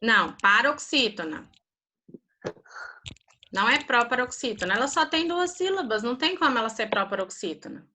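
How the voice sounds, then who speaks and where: A woman's voice: a little high, very animated, quick pace, few pauses, sharp tone. A woman teaching a primary school class on a video call, patiently drilling grammar terms with her students.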